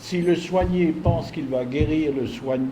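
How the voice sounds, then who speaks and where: The speaker talks very slowly with a Belgian accent and ordinary pitch variation. Audible room echo and noticeable background noise are present. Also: man. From Belgium, Waterloo. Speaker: surgeon, conference speaker. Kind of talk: lecture.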